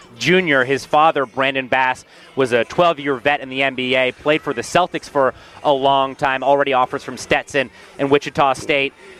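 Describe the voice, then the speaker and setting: In a dry, close recording with no echo but noticeable background noise, a man with an American accent speaks at a moderate pace in a fairly high pitch and a flat monotone. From US Midwest, Kansas. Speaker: sports radio host. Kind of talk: radio sports interview.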